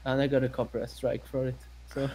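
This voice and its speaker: A man from Sweden with a Swedish accent chats casually and haltingly in his second language, in an easygoing way. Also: medium pitch, a little mellow, slightly rough. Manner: halting, easygoing, quick to laugh. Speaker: guest co-streamer. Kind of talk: casual chat.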